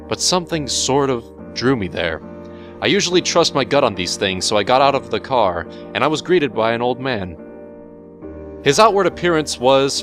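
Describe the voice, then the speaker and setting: A man narrating a horror story in a measured, theatrical storytelling manner over music. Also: medium pitch, fairly bright tone. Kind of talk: dramatic horror story reading. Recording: music bed under the voice.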